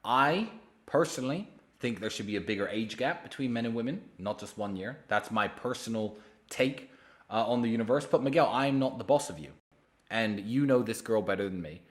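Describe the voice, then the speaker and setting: A man hosting a casual solo livestream, answering viewer questions directly and pitching emphatically. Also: expressive, brisk. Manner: direct, addresses viewers by name.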